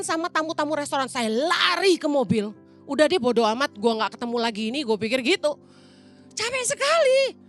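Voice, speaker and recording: A woman's voice: extremely high pitch, a bit bright. A middle-aged woman pastor, preaching a chatty storytelling sermon and acting out voices. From Indonesia. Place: church auditorium.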